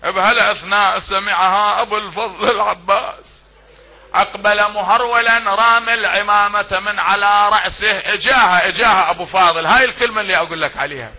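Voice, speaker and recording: A man, reciting a mourning sermon that moves between chanted lament and quiet prayer. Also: high voice, fairly even intonation, fairly quick. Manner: emotional, sing-song lament rising to cries, then soft prayer.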